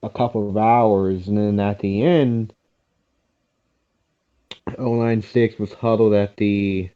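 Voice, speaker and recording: A man's voice: lowish voice, steady tone, slow pace, clean tone. A young man hosting a reaction video, chatting loosely with profanity and jokes. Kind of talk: casual chat. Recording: dull lo-fi audio.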